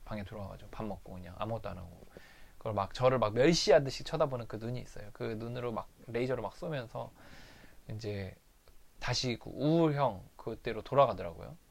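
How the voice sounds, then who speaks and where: A man's voice: mid-range voice, fairly quick, gravelly. Guy talking thru his recovery diary, candid and confessional, just telling it how it went. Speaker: man recounting his addiction recovery. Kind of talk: personal recovery diary monologue.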